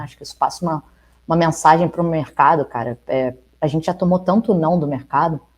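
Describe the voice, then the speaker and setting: A woman with a Rio de Janeiro accent talks at a fairly quick pace in a fairly low voice with ordinary pitch variation, and the background is quiet. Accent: Rio de Janeiro (carioca). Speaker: women's football club director. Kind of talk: interview.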